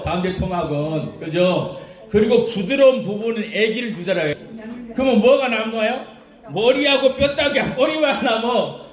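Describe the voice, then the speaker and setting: A man delivers an animated sermon in a high voice, laughing as he tells his stories and putting questions to his listeners. His voice rings through an echoey church hall. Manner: animated storytelling with laughter, asks the congregation questions. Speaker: pastor. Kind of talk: lively sermon.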